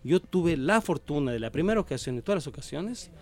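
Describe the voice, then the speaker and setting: A man's voice: on the high side, expressive, brisk. A man with a Mexican accent, talking in a casual group conversation, emphatic and opinionated as he tells stories. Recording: faint background noise.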